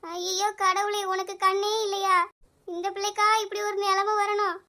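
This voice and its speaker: A woman's voice: very high-pitched, brisk, a bit bright. A woman playing a motherly village neighbour. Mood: grieving. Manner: soothing, motherly, calls others by pet names. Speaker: neighbour Gomathi. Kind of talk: village family drama acting.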